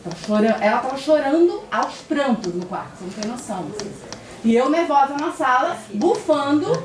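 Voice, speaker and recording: A woman's voice: high voice, animated, a little fast, slight background noise. Brazilian woman telling a heartfelt story. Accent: Brazilian Portuguese. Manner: emotional personal storytelling, colloquial. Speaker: audience member sharing a story. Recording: echoey room from far off.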